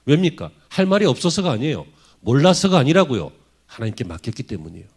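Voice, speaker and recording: A man's voice: mid-range voice, very animated, fast, slightly rough. A man preaching a sermon as a pastor in a church, driving his points home with rhetorical questions to the congregation. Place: church sanctuary.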